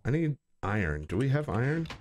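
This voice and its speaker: A man's voice: mid-range voice, very animated, a little fast, a little mellow, a little hiss or hum. Laid-back man giving brief replies. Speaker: host of a gaming channel. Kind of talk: casual gameplay chat.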